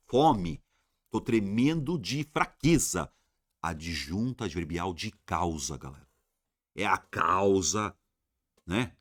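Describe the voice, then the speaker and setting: A Brazilian man runs an exam-prep grammar lesson in a fairly low voice. His pitch swings widely as he talks. He uses slang and keeps firing rhetorical questions at his viewers. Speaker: teacher.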